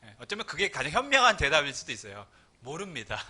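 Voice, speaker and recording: A man delivering a Sunday sermon, his voice strikingly bright and ringing. He talks to the congregation like in a chat, with pitch that rises and falls a lot. He slips into quick acted-out lines now and then. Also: huge pitch swings. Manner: conversational preaching with acted-out quotes. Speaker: pastor.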